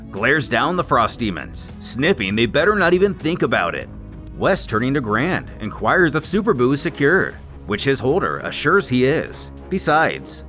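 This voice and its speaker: Lively man narrating over faint music. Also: medium pitch. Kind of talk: scripted story recap narration with acted quotes.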